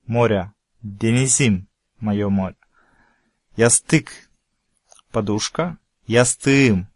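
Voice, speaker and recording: Male language teacher, lowish voice, measured and careful, dry close recording. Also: no echo. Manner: measured, careful pronunciation of example words.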